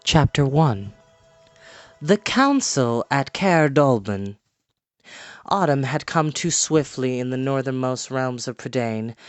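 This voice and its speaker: A man narrates a storybook in an expressive reading style, with a mid-pitched voice. The sound is close and dry, with music playing behind him. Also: slow pace, clean tone, no echo. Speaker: storyteller reading a book aloud. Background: background music.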